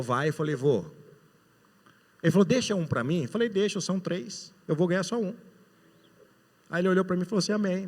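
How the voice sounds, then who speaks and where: Male Brazilian pastor, high-pitched, animated storytelling sermon, reverberant sanctuary. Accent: Brazilian Portuguese. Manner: storytelling, acting out dialogue, builds to shouts. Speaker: preacher. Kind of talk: sermon testimony. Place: church hall. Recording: reverberant church hall with music.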